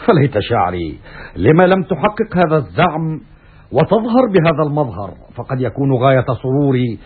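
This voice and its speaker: An actor playing a stern, righteous Roman commander, declaiming with scornful anger in classical Arabic radio theatre style, with a husky voice. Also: male voice, medium pitch, big pitch swings, brisk. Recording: muffled, raspy, phone-like old radio recording.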